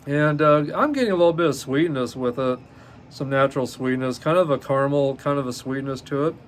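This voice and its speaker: Halting man in his fifties, podcast host. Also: mid-range voice, slight background noise. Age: 50s. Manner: halting, many ums and uhs, self-correcting. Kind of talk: casual solo podcast, reading notes.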